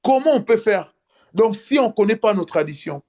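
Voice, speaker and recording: A man speaks as a guest in a casual live video chat with a high voice. He talks earnestly but haltingly and often restarts his sentences. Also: animated, darkish tone. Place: in France.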